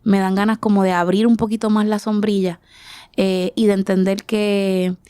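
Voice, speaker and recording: A woman's voice: mid-range voice, level tone, moderate pace, dark tone, clear, resonant tone, dry recording. A woman in her forties from the Dominican Republic, answering interview questions reflectively and searching for her words. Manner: thoughtful, searching for words, frequent restarts. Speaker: artist guest.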